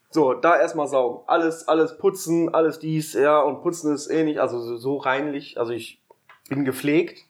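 A man talks at a moderate pace in an ordinary speaking voice. His pitch is fairly high and his intonation fairly even. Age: 30s. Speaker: podcast co-host, cafe owner. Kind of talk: casual chat. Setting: in a cafe.

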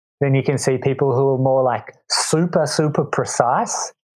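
The voice is a man's. An Australian accent colors his speech. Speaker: dance teacher and relationship coach. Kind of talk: casual interview.

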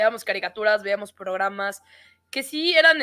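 A woman with a bright, sharp tone and medium pitch speaks at a moderate pace. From Monterrey, northern Mexico. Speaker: podcaster and marketing specialist. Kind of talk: casual interview.

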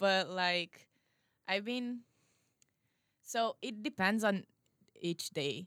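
Heard with a dry, close sound and no echo, a woman speaks in a bright, sharp tone with lively intonation. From Romania. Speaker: university student. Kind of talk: casual chat.

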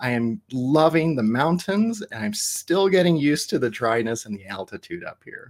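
A man with an American accent speaks in an ordinary speaking voice. His pace is fairly slow, and his pitch variation is ordinary. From US South, rural Georgia (Columbus). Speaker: psychology professor. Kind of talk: lecture.

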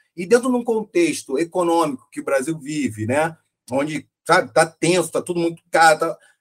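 A man's high voice with lively intonation. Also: moderate pace. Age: 40s. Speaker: design consultant and educator. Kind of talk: casual chat. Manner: animated.

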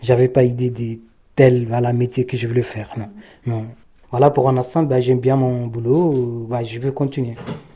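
A man with a somewhat breathy voice and a dark, mellow tone speaks at a moderate pace with monotone, flat intonation. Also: medium pitch for a man. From Chad. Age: young. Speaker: construction worker, former refugee. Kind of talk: interview. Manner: hesitant, many fillers.

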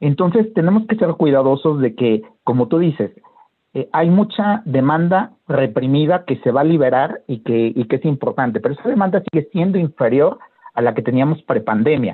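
A man's fairly high voice with very wide pitch swings, very even loudness and a moderate pace. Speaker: radio host. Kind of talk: interview.

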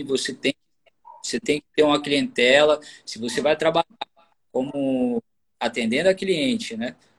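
A man talks at a moderate pace in an unremarkable speaking voice, fairly high in pitch with lively intonation. The sound is dry and close, with no echo. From Espírito Santo, Brazil. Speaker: financial market professional. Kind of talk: live stream interview.

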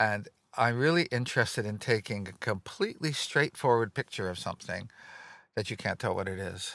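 A man's unremarkable speaking voice with a Canadian accent, fairly low in pitch and fairly quick in pace, dry and close with no echo, in a very clean recording with a silent background. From Canada, rural Niagara area, Ontario. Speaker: glass artist. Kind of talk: casual interview. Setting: on location at a subway station.

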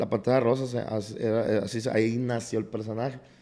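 At a moderate pace, a man speaks at a medium pitch with a dark, mellow tone and fairly even intonation. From northwestern Mexico (Sonora, Mexicali). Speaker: singer of a regional Mexican band. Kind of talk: casual chat.

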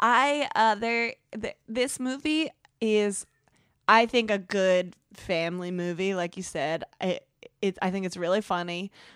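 In an American accent, a woman speaks with an animated tone at a fairly slow pace, her medium pitch showing ordinary variation, in a dry, close sound with no echo on a very clean recording with a silent background. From US Mid-Atlantic, Northern Virginia. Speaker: podcast host guest. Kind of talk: casual chat.

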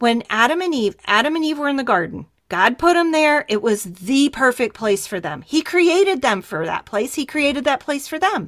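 At a moderate pace, a woman speaks at a high pitch with very wide pitch swings and hardly any pauses. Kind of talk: casual chat. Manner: firm.

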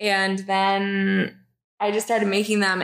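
A woman with a West Coast accent speaks fairly slowly in a bright, sharp tone at a medium pitch. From Seattle, US Pacific Northwest. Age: 30s. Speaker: cartoonist. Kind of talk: casual interview.

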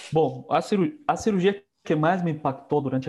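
This man's voice is somewhat breathy and fairly high-pitched. He keeps a moderate pace with ordinary pitch variation. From Bolivia. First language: Spanish (speaking Portuguese). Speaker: orthopedic surgeon. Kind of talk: casual interview.

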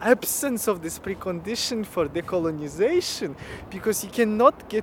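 A man speaks at a fairly slow pace with lively intonation, over noticeable background noise. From Kyrgyzstan. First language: Russian and Kyrgyz. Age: 20s. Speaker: anthropology student. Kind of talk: conversational interview. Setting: outdoors in a city square.

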